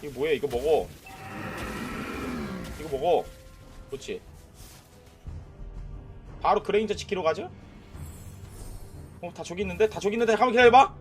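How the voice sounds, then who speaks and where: Excitable high-pitched young man gaming. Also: normal speed, long pauses, soft background music. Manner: excitable, trash-talking, narrating his own plays. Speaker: gaming YouTuber. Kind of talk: casual game commentary.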